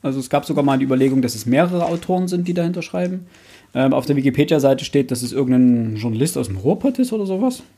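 A man's voice: mid-range voice, expressive, quick pace, dark tone, breathy edge. A young man hosting a casual book discussion, thinking aloud in a hesitant, self-correcting way. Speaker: podcast host.

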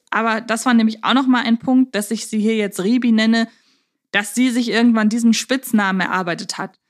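High-voiced woman chatting as podcast co-host. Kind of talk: casual podcast discussion.

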